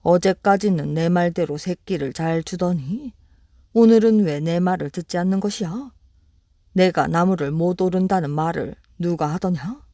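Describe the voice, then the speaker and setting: A greedy bully of a tiger growls his threats in a low, mellow tone, put on by a woman reading the story. The storybook voice is close and dry, with no room around it. Each demand comes out gruff and menacing. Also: normal speed, no echo, lightly acted. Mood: threatening.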